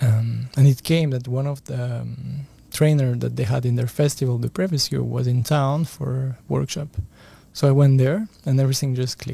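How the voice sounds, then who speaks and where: A man with a French accent speaks at a moderate pace, his dark, mellow tone somewhat breathy over fairly even intonation. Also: medium pitch for a man. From France. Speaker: energy healer and bodyworker. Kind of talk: podcast interview. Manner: soft.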